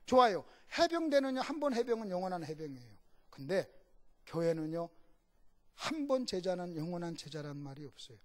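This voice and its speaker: A middle-aged man preaching as a guest pastor, swinging from shouted lines to hushed asides and acting out voices as he questions the congregation. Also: high-pitched. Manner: acts out quoted voices, asks the congregation questions. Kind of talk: sermon.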